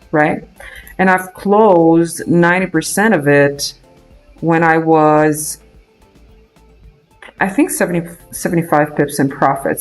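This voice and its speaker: A man's voice: on the high side, low-quality recording. A young man from Romania with a Romanian accent, chatting casually on a live trading stream, thinking aloud with many fillers and restarts. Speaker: day trader streaming live.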